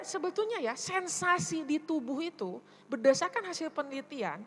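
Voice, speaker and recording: A woman's voice: high-pitched, slight background noise. A middle-aged woman speaker and counselor giving a casual, chatty sermon, often asking the congregation questions. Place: church hall. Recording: reverberant church hall.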